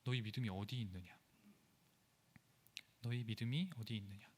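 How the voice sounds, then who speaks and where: A preacher acting a calm, deep-voiced Jesus. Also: male voice, moderate pace, breathy edge. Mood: calm, commanding. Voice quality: low voice. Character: calm commanding Jesus, adult man.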